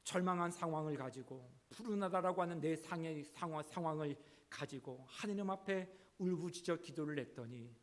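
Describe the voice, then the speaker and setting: A man's voice: on the high side, normal speed, hardly any pauses. A middle-aged male pastor preaching a sermon earnestly, asking rhetorical questions and rising in emphasis.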